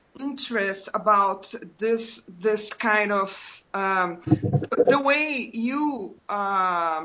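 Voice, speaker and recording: Bright, sharp female voice in a Brazilian Portuguese accent, with ordinary pitch variation. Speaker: translator and channel speaker on ufology. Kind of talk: casual chat. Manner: halting, many fillers and repetitions.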